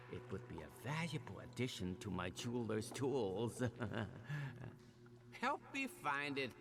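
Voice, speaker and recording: A man playing an eccentric, cheerful old jeweler in a fantasy game, rambling in a theatrical way. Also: mid-range voice. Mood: genial, amused. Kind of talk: animated fantasy game acting.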